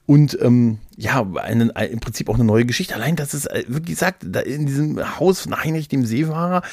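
A man in a casual chat as a podcast co-host, talking haltingly, often repeating words and adding tag questions. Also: mid-range voice, creaky, darkish tone, no room sound, studio quality. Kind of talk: casual chat about audio dramas.

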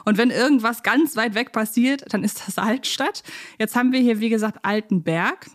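A woman's voice: a little high, moderate pace. A woman hosting a podcast, talking casually in a chatty, thoughtful way as she explains her views on children's audio dramas. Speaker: podcast host.

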